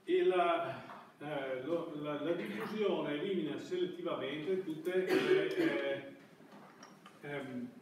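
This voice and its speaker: A middle-aged man gives a classroom lecture in a fairly high voice. He speaks haltingly, restarting phrases as he looks for the word. The sound is very reverberant and picked up from a distance, with faint noise. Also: a little mellow. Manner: halting, searching for words with repeated false starts. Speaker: university lecturer. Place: indoor classroom. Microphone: far camera microphone. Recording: echoey classroom, distant mic, background hiss.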